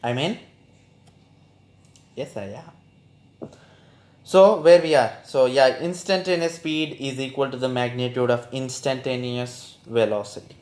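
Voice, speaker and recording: A man's voice: medium pitch, measured pace, pauses often, darkish tone. A man with a South Asian accent teaching informally, repeating phrases for emphasis and posing questions that he answers himself. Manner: poses student questions and answers them himself. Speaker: physics teacher. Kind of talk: informal spoken lesson. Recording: echoey room sound.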